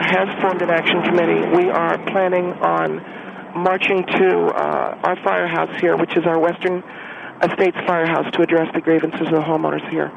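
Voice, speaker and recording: High raspy snooty radio housewife, catty put-downs, muffled noisy audio. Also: male voice. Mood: officious. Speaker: radio comedy character.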